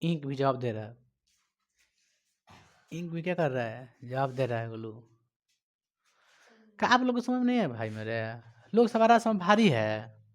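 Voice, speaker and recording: A male teacher with a Bihari Hindi accent, giving a classroom lecture, quizzing his students and scolding them, loud one moment and quiet the next. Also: medium pitch, very animated, moderate pace, pauses often. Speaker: coaching teacher.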